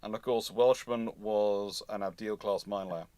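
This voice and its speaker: A man's voice: on the low side, fairly even intonation, a little slow, mellow, no echo. Man giving off-the-cuff commentary, dry sound. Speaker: host of naval history live stream. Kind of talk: informal live question-and-answer commentary.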